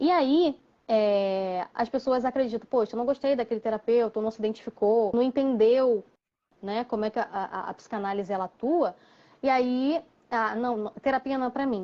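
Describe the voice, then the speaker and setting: An unremarkable speaking voice: a woman with a fairly high pitch, ordinary pitch variation and a moderate pace. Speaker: psychoanalyst and teacher. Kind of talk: online lecture. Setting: live stream.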